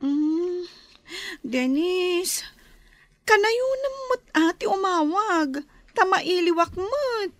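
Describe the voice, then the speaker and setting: A woman's voice: very high voice, expressive, extremely slow, fairly bright tone, no echo, full character voice. A woman voicing an earnest young woman who misses her sweetheart, in a radio drama.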